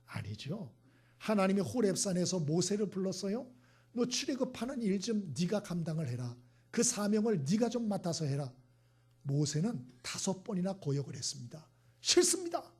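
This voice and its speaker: Male pastor, middle-aged, husky voice, lively rising and falling pitch, rhetorical questions, sudden whispers. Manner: rhetorical questions, acts out God and Moses in quick voices, drops to a whisper. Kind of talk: sermon.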